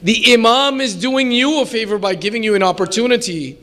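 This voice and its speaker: A man's voice: very high voice, fairly quick, sharp tone. A man preaching a religious sermon in English, earnest and emphatic, posing rhetorical questions and repeating key phrases. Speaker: preacher, sheikh.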